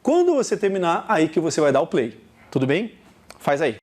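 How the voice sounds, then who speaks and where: A man's voice: on the high side, normal speed. A middle-aged man with a Brazilian Portuguese accent teaching a recorded lesson, talking straight to the viewer. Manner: animated, talks straight to the viewer.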